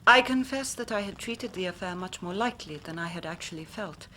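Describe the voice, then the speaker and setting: A woman's voice: lowish voice, expressive, a little fast, slight background noise, poor audio. A woman playing an earnest young woman telling a tale. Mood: grave. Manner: earnest, dramatic storytelling with hushed passages. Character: young woman recounting her sister's death. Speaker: client telling her story. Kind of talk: radio drama acting.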